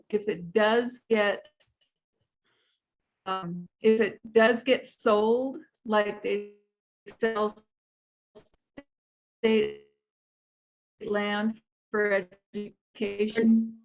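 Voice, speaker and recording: A woman on a committee speaking at a public meeting over a video call, explaining in halting, deliberate phrases while her audio cuts in and out with uneven volume. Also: medium pitch, fairly even intonation, low-quality recording. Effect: choppy call audio cutting in and out, uneven volume. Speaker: planning committee member.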